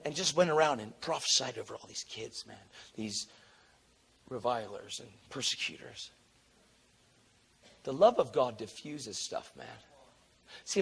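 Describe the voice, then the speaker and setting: A man preaching a sermon through a story, acting out the people he quotes with sudden loud high jumps and dropping to a soft, earnest low tone. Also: moderate pace, gravelly, breathy edge. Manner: animated, acts out quotes with big jumps in pitch and volume; drops to a low, soft, earnest tone for tender moments.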